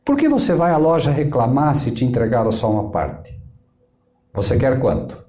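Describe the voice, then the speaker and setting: A man voicing Christ, gently questioning a believer. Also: mid-range voice, big pitch swings, moderate pace, echoey room, lightly acted. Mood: gentle questioning. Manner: patient, questioning.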